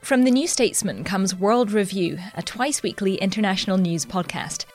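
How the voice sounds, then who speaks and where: A woman's voice: medium pitch, normal speed. Woman reading a promo over music. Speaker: podcast promo voice. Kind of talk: scripted promo read. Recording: music bed under the voice.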